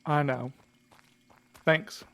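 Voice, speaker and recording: A man's voice: fairly high pitch, steady tone, extremely slow, vocal fry, pushed and bright, heavily acted. A man playing a weary, protective and dryly sardonic character in a naturalistic audio drama. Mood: subdued, earnest.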